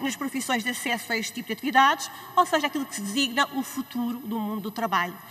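Speaking with a European Portuguese accent, a woman uses a high pitch with ordinary pitch variation. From Portugal. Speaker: member of parliament. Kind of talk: parliamentary speech. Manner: formal. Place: hall. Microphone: podium.

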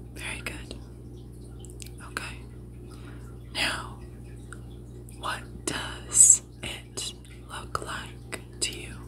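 At a very slow pace, a woman speaks in a very deep, low pitch with monotone, flat intonation over noticeable background noise. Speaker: Reiki master and ASMR creator. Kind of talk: guided meditation / reiki session. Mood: warm, gentle, smiling. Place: home room.

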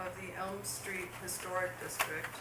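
Loud background noise sits behind a woman's voice. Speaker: neighborhood resident and organizer. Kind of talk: community meeting presentation. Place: meeting room. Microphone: camera far.

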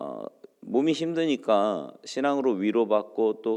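This is a plain, everyday voice with lively intonation. The pace is fairly slow. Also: man. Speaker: pastor. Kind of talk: sermon.

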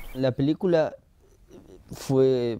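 A man with a Rioplatense accent speaks in a dark, mellow tone with fairly even intonation, the sound dry with no echo. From Argentina, Buenos Aires. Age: 30s. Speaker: film director. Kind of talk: interview. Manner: halting, with frequent repetitions. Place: hall.

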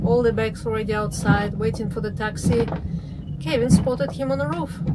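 Loud background noise runs through the clip. A woman's voice sits within it. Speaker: travel vlogger. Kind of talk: casual vlog chat. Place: train. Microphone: phone near.

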